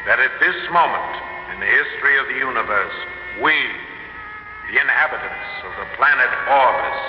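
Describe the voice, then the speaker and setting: An actor playing the president of an alien planet giving a grave public address in a vintage radio drama. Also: male voice, mid-range voice, natural voice. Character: solemn male president of an alien world. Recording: lo-fi old radio with long reverb and music.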